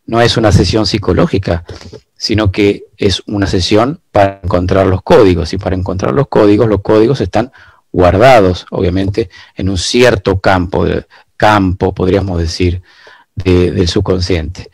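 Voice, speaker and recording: A man, a guest expert giving long, measured explanations in an interview, full of rhetorical asides. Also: low voice, steady tone, creaky, darkish tone, slightly rough, no room sound. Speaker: guest expert on biological decoding.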